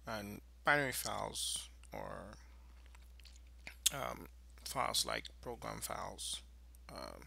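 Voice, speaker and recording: A man presenting an informal screencast tutorial, explaining in a halting, improvised way. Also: fairly low pitch, huge pitch swings, vocal fry, sharp tone.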